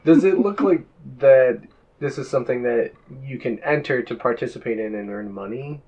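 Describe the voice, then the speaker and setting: A man's voice: mid-range voice, moderate pace, a little mellow. Inquisitive male player, lo-fi sound. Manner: questioning, plans aloud in character's terms. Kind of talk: playing a tabletop game.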